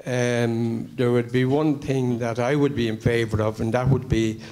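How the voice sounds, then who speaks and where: Halting middle-aged man from Ireland. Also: medium pitch, level tone, darkish tone. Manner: halting, many fillers. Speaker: convention member. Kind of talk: floor comment at public meeting. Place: large conference hall. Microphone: handheld microphone.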